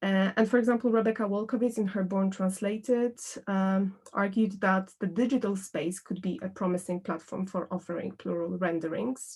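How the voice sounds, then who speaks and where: A woman speaks at a moderate pace with a Polish accent, her voice somewhat breathy and medium in pitch. Her intonation stays fairly even, and the recording is very clean with a silent background. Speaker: academic researcher. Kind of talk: lecture.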